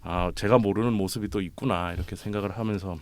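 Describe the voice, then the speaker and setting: A man hosting a casual interview podcast, playful and quick to laugh, his voice a little off from a cold. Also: on the low side, steady tone, dry recording. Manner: playful, laughs often, teasing. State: has a cold, voice slightly off. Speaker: podcast host.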